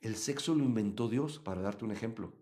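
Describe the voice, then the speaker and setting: A man from Mexico, teaching a live Bible study and answering chat comments, swinging between loud emphasis and quiet asides. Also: lowish voice, fairly quick.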